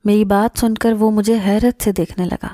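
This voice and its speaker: A woman's voice: mid-range voice, fairly even intonation, warm tone, no room sound, studio quality. A woman telling a first-person emotional story in a regretful, tearful storytelling manner. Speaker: story narrator.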